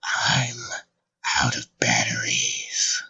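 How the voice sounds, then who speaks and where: A woman acting a weary, terse young heroine in an audio drama, with a breathy voice. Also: very slow, pushed and bright, whispered. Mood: drained. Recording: dull, distant microphone.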